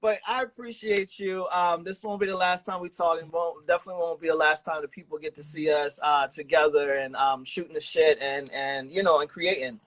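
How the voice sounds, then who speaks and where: A man's voice: a little high, steady tone, brisk, few pauses, fairly bright tone, poor audio. A man hosting a podcast interview in a casual, slangy, affirming way with some swearing. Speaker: podcast host and festival organizer.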